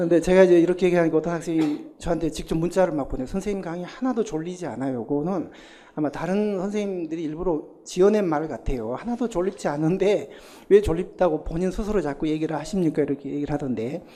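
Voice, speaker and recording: A man talks at a very fast pace in a high pitch. His tone is dark and mellow, with ordinary pitch variation. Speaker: civil service exam lecturer. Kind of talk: lecture. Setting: classroom with students. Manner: drowsy-sounding, lulling.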